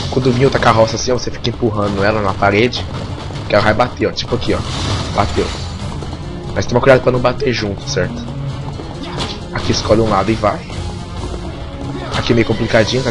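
A Brazilian man giving casual gameplay commentary in a strained voice, as if his tonsils are swollen and his throat inflamed. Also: lowish voice. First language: Portuguese. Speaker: gamer narrating a let's play.

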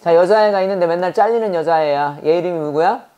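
Brisk woman drilling students in class. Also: on the low side, dark tone, highs cut off. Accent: Korean. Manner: quizzing students with rapid rhetorical questions; drills English phrases slowly and deliberately. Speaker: English teacher. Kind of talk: classroom grammar lecture.

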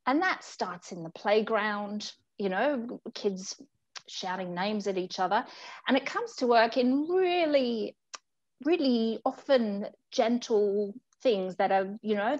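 A woman's voice: medium pitch, lo-fi sound. A middle-aged woman from Australia, a communications executive, speaking earnestly as a guest on a video call interview from home. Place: home room indoors.

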